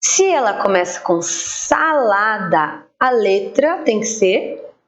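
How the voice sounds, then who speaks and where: A woman teacher giving an online literacy lesson to children, spelling words out slowly and clearly syllable by syllable. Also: mid-range voice, very animated.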